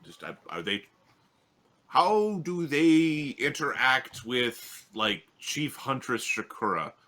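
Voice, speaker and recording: A man of middling pitch plays a tabletop game and chats casually. His delivery is slow, with very varied intonation. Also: very animated, sharp tone.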